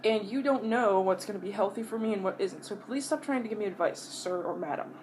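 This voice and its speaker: A woman talks casually to her audience during a meal, in an average-pitched voice. She rambles and pauses to chew between bites. Her wording is blunt and peppered with swearing, and faint noise sits behind the recording. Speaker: mukbang vlogger. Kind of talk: casual rambling chat to viewers while eating.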